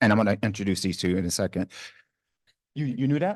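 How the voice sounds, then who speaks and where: A man with a Southern US accent speaks over a quiet background. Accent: Southern US, slips out at times. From New Orleans, Louisiana. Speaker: small business lending official, panelist. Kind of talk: panel discussion presentation. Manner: many fillers and repetitions.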